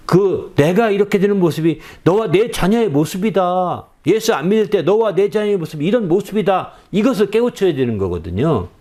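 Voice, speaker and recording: A middle-aged man preaching a sermon with a rather high, very lively voice that rises and falls freely. He talks conversationally and keeps tossing quick questioning checks to his listeners. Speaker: pastor.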